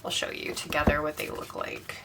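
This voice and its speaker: A woman's voice: sits low, completely flat delivery, a little fast, noisy background. A woman with a cold and a congested, slightly sore voice, chatting enthusiastically as host of her own vlog with frequent ums. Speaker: tarot channel host. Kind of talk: casual monthly wrap-up vlog.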